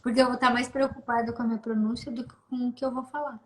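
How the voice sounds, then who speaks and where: A woman's voice: on the high side, little pitch movement, quick pace, fairly bright tone, slight background noise. A Brazilian woman hosting as a therapist, speaking directly and encouragingly and asking pointed questions on a video call. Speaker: host, therapist. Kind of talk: therapeutic conversation.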